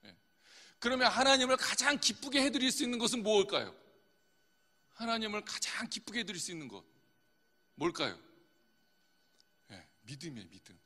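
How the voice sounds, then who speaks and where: High lively-voiced male pastor preaching. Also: fairly quick, pauses often. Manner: asks the congregation questions and answers them himself. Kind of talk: sermon. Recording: long hall reverb.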